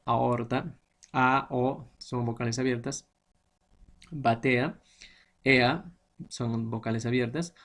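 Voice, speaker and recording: A man's voice: medium pitch, vocal fry. A man teaching a grammar lesson to students, explaining patiently and often checking that they follow.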